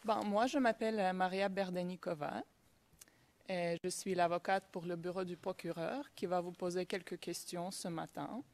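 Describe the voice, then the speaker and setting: A woman's voice: on the low side, fairly even intonation, normal speed, darkish tone. Polite woman lawyer, hesitant in French. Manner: polite, hesitant, speaking a second language. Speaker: prosecution lawyer. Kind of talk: courtroom questioning.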